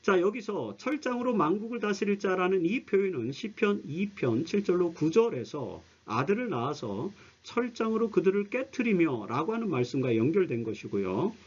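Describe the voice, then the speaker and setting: A man's voice: high-pitched, sing-song, normal speed, few pauses, breathy edge, lo-fi sound. A man presenting Bible study commentary as an explanatory lecture, with emphatic, didactic phrasing and sentence endings that trail off. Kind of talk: explanatory religious lecture with scripture readings.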